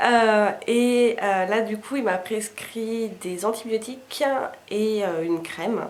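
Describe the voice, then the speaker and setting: A woman with a medium pitch and ordinary pitch variation is heard with audible room echo and noticeable background noise. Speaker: beauty vlogger. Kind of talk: casual vlog chat. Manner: hesitant, many fillers.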